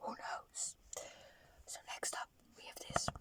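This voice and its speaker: The words come in a whisper at a very slow pace. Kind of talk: ASMR talking to camera, casual chatty narration.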